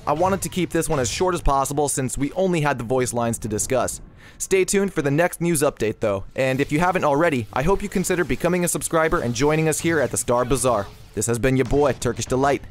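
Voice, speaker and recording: A man's voice: fairly high pitch, slight background noise. A man presenting scripted video game news commentary as the host of an online channel.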